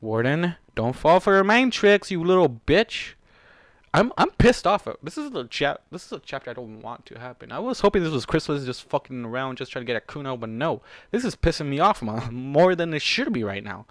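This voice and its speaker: Man, medium pitch, dry recording, fan fiction narration, casual commentary, profane, exasperated, emotionally invested. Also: sing-song, fast, few pauses, no echo. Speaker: fan fiction reader and reactor.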